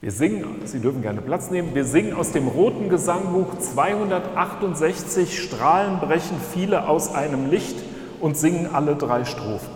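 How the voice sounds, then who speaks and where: A man leading a calm, measured prayer as a pastor in a church service. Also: on the high side, slight background noise. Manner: calm, measured, meditative phrasing. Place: church hall. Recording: roomy hall with long reverb.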